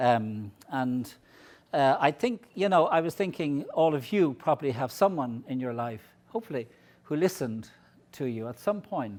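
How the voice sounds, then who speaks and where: Speaking with a Dublin accent, a man uses lively intonation. His pitch is fairly high. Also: moderate pace. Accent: Irish (Dublin). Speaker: psychologist. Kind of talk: lecture. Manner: halting.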